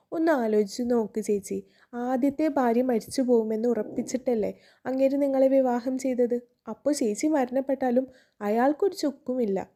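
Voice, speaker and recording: A woman voicing a chatty, cheerful young woman who is caring but blunt, talking in a lively, affectionate way. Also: fairly high pitch, lightly acted.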